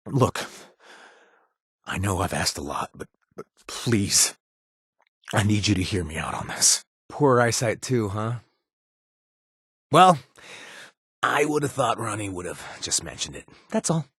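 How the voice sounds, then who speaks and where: A man's voice: mid-range voice, fairly bright tone, husky, no room sound, clean studio sound, full character voice. An actor playing a nervous, wisecracking male raider companion in a video game, who rambles, jokes and corrects himself mid-sentence. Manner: rambling, self-correcting, jokey. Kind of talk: game character voice lines.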